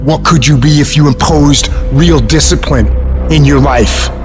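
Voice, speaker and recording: A man delivering a motivational speech in a deliberate, rhetorical manner. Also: fairly high pitch, over music. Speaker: motivational speaker.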